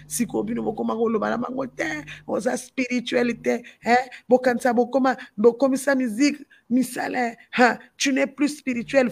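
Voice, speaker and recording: A woman's voice: on the high side, gravelly. A woman from the Congo with a Congolese French accent, a gospel musician speaking with passion and repeating phrases for stress. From Democratic Republic of the Congo. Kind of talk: impassioned talk-show discussion.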